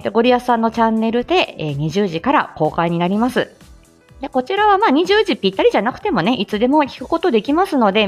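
A woman hosting a live stream, chatting casually with frequent laughter and many fillers. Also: mid-range voice. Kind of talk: casual chat.

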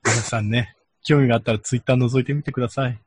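A man's voice: medium pitch, steady tone, quick pace, noisy background. A man hosting a casual podcast chat, talking in a tired, self-deprecating, rambling way. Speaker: podcast host.

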